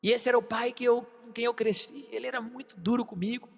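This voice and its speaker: A young adult man with a Brazilian Portuguese accent preaching a sermon, telling a personal story with emphatic shouted bursts. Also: very high-pitched, fairly even intonation, fast, creaky, faint music behind. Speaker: pastor. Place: large church hall. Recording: long hall reverb.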